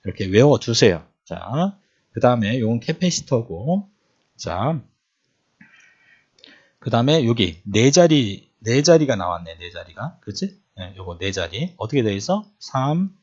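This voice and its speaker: In a dull lo-fi recording, a man teaches electronics lecture-style in a husky, darkish, mid-range voice. He is very animated yet unhurried, repeating points and quizzing his listeners with questions.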